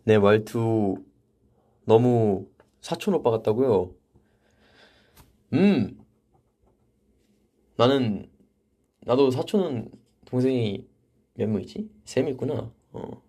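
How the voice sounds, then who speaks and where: A young man hosting a casual livestream from a vocal practice room, reading viewer comments aloud and answering them in a relaxed, chatty way. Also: medium pitch, slow pace, pauses often. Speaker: idol livestream host.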